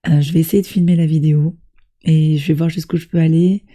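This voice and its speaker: A woman with a cold reads tarot cards for her viewers, and her voice comes out hoarse, husky and very dark. She keeps her delivery flat and even, speaking straight to the listener in a gentle, encouraging way. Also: sits low, brisk. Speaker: tarot reader. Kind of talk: tarot reading addressed to viewers.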